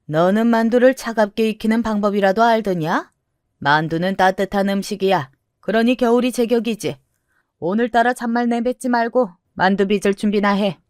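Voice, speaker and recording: A woman's voice: medium pitch, moderate pace, darkish tone, no room sound, studio quality, lightly acted. A stern scolding grandmother, as a woman narrator puts her on. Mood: commanding. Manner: scolding, commanding. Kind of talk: storybook narration.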